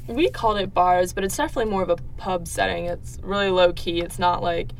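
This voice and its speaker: A woman's voice: fairly low pitch, brisk, creaky. A young woman from the Netherlands answering interview questions in casual, tentative, informal phrasing. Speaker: interview guest. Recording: distant mic, faint background noise.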